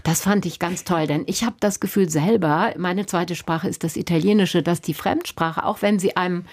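Measured woman discussing a book. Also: fairly low pitch. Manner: thoughtful, measured, explanatory.

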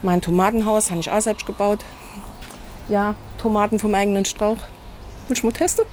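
A chatty woman in her fifties with a broad Saarland dialect speaks in plain, direct, everyday words. Her pitch sits mid-range, and a faint noise runs under her recording. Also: steady tone, moderate pace, a little mellow. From Saarland, Germany. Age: 50s. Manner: chatty, blunt, dialect-coloured speech. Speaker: interviewee. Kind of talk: casual personal account.

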